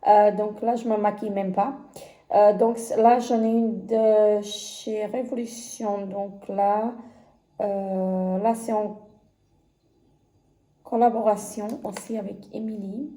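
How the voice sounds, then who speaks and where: A woman casually reviewing her makeup palettes, talking haltingly with many fillers and restarts. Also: mid-range voice, flat delivery, mellow, echoey room. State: has conjunctivitis. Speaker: beauty vlogger.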